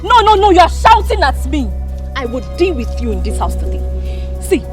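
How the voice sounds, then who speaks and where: A woman plays a scornful Nigerian madam, arrogant and threatening. Her very high voice leaps around as she taunts, over faint music. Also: sing-song, normal speed. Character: arrogant bullying wealthy young woman.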